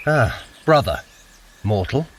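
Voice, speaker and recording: An actor playing a proud, sardonic, scheming trickster god in a scripted audio drama, with dry sarcasm and theatrical formal diction. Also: male voice, mid-range voice, sing-song, slow, slight background noise.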